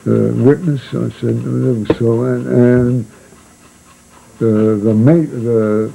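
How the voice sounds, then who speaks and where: An older man recalling his seafaring days in a casual spoken memoir. He talks in a halting, rambling way, full of restarts and fillers. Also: medium pitch, fairly even intonation, gravelly, mellow, slight background noise, rough recording.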